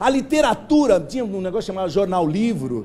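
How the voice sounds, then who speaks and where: A man speaks in a high voice at a fairly quick pace. His pitch swings very widely. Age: 60s. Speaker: theater artist. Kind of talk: public debate remarks. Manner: halting, many repetitions.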